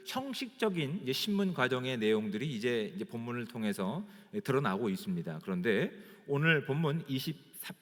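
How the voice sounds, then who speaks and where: A man, a pastor, delivering a sermon at a church service with emphatic delivery and rhetorical questions. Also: medium pitch. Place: church sanctuary. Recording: reverberant church hall.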